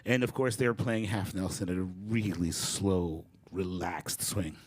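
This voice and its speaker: A middle-aged man giving a storytelling talk, animated and acting out the people he quotes. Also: low voice, unhurried. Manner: animated, acts out quoted voices. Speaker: guest speaker. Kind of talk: storytelling lecture.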